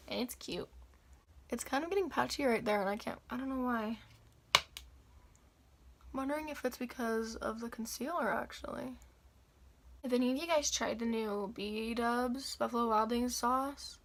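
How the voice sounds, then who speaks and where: A young woman with a raspy, slightly hoarse voice after the flu, chatting casually through a makeup tutorial. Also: fairly high pitch, a bit bright, a little hiss or hum. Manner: chatty, upbeat, filler-heavy. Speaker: beauty vlogger.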